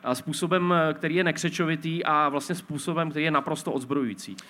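Man, bright tone, fairly high voice, film critic, wordy, analytical. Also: fairly even intonation. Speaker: podcast co-host, film critic. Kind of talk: live podcast chat on stage.

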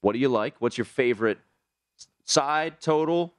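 A man hosting a casual sports talk panel, animated and asking his guests questions. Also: medium pitch, moderate pace, no echo. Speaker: host.

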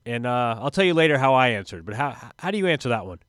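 A man's voice: medium pitch, sing-song, fast talker, fairly bright tone, clean tone, dry recording, studio quality. A man in his forties hosting a tennis podcast, chatty and wry, sounding a little stuffy from a cold. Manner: chatty, self-interrupting, wry asides. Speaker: podcast host.

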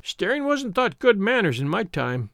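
A man's voice: high-pitched, big pitch swings, moderate pace, creaky, a bit bright, no echo, studio quality, voice pushed up, heavily acted. A man voicing a scheming old woman witch who speaks in a folksy rustic dialect. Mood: scolding.

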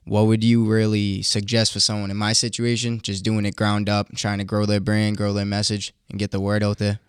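A man's voice: on the low side, monotone, brisk, smooth, dry recording, studio quality. A young man in his twenties with a Boston accent, introducing himself casually as a podcast guest. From Boston, USA. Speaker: podcast guest, new entrepreneur. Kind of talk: casual self-introduction and question.

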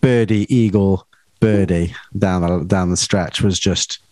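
Casual male golf podcaster, lowish voice, dry sound, informal commentator-style play-by-play. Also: fairly even intonation, measured pace, darkish tone, no room sound. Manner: informal shot-by-shot retelling with frequent 'like'.

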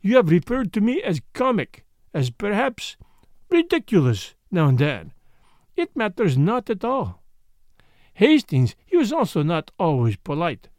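A man's voice: sits high, wildly swooping pitch, unhurried, darkish tone, no room sound, clean studio sound, full character voice. A man voicing an eccentric, vain but kindly older detective with a French accent, speaking in formal, courteous, emphatic phrases for an audiobook. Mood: magnanimous.

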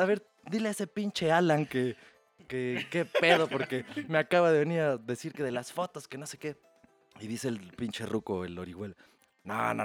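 A man with a Mexican accent tells a story at a mid-range pitch, loaded with slang and swearing. He acts out the other people in it with lively energy. Faint music plays under his voice. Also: no room sound. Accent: Mexican Spanish. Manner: crude slang-heavy, animated retelling. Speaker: podcast host. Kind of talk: casual storytelling chat.

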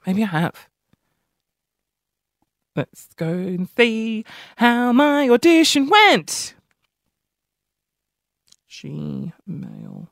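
A man with a high-pitched voice hosting a podcast, telling a story in an animated, self-deprecating way. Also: very slow, gravelly, pauses often, dry recording, studio quality. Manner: animated, self-deprecating, jumps between high and low tones. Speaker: podcast host. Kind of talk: casual storytelling monologue.

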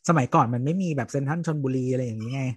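A man's voice: medium pitch, racing, slightly rough, no echo. A man hosting a casual podcast, reading out listener questions in a polite manner. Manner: polite host, ends lines with krab. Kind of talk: casual chat.

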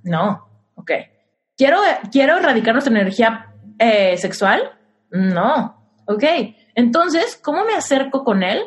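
A frank young Mexican woman talks through relationship advice in a casual, conversational way, often putting questions to her listener. Her voice sits a little higher than most. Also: big pitch swings, a little slow. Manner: frank, uses rhetorical questions. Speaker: podcast host giving relationship advice.

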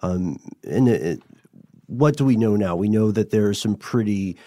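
A man hosting a conversational podcast interview, articulate and measured, with a rather formal choice of words. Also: lowish voice, animated, mellow, no echo, clean studio sound.

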